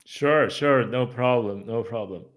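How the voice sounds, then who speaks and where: A man with a Polish accent, speaking English as his second language. His voice sits in a middle pitch, and he talks casually with many fillers and self-corrections. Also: measured pace. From Poland. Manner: chatty, with frequent fillers and restarts. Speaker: podcast guest. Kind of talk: casual interview conversation.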